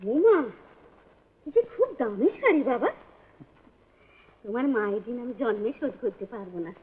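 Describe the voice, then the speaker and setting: A fretful, affectionate aunt. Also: female voice, a little high, lively intonation, moderate pace, slightly rough. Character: aunt, warm, fretful older mother figure. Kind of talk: 1950s film acting. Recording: tinny old film soundtrack with hiss.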